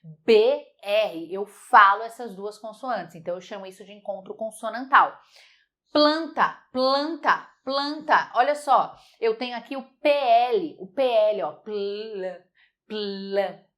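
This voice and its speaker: A woman teaching a Portuguese grammar lesson, lively and emphatic, repeating words slowly to model their sounds. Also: medium pitch.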